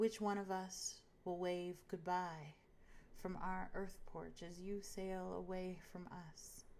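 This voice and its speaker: At a very slow pace, a woman speaks at a medium pitch in a monotone, flat way, her loudness swinging widely. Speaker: poet. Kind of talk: poetry reading.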